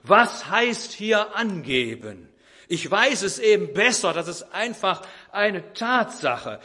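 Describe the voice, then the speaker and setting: A man playing a condescending know-it-all husband who brags about his schooling and shouts when he is challenged. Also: high-pitched, very animated, slow, pitched above the performer's own voice, heavily acted. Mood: blustering, loud. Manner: condescending, blustering.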